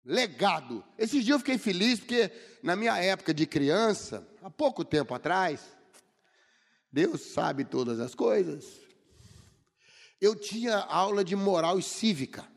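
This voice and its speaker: Man, Brazilian Portuguese accent, preacher, humorous stories, lively rising and falling voice, long church-hall reverb. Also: high-pitched, measured pace, creaky. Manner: humorous storytelling, acting out the people he quotes. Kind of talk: sermon.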